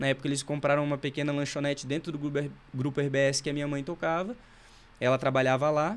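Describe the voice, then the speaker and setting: This man talks at a very fast pace in a fairly high pitch, with fairly even intonation. Long pauses come often. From Santa Catarina, Brazil. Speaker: former prisoner turned evangelical author; podcast guest. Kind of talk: testimony; interview answer. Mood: reflective, personal story. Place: studio. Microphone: studio mic.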